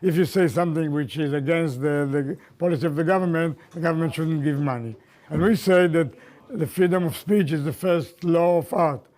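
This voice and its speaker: A man interviewed about his theater, answering in a halting way, often repeating words as he searches for them. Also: on the high side, darkish tone.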